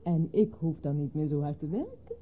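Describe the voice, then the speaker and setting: Cooing, coquettish mistress, very swoopy. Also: female voice, sits low, wildly swooping pitch, brisk, slightly rough, phone-quality sound, heavily acted. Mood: coaxing. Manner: cooing, pouting, theatrical. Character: clingy, coquettish mistress, sentimental and needy. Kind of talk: radio play acting.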